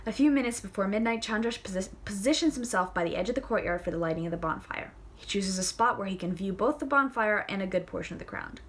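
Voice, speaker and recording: A woman's voice: medium pitch, expressive, quick pace, few pauses. A young woman reading a novel aloud, casual and enthusiastic, with chatty asides and small stumbles. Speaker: audiobook reader.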